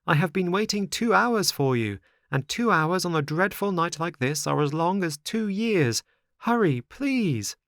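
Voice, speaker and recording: Man putting on a high, pleading wooden puppet boy. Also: animated, a little slow, a bit bright, no echo, studio quality, exaggerated voice. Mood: desperate pleading. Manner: pleading, exclamatory.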